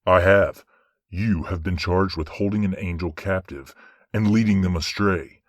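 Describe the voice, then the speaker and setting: A man playing a stern but fair angel judge in an audio drama, speaking in a measured, commanding, formal way. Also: deep voice, dry recording, clean studio sound.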